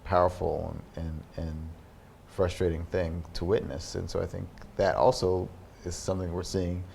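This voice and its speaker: Deep, gravelly male artist guest. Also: level tone, darkish tone, a little hiss or hum. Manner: thoughtful, halting explanations. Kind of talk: interview. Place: studio.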